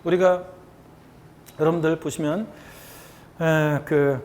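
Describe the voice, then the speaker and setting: A man's voice: on the high side, fairly even intonation, takes it slowly, a little mellow. A middle-aged man teaching an exam prep lecture, chatty and repetitive, often turning to his students. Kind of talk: recorded online lecture. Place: lecture studio.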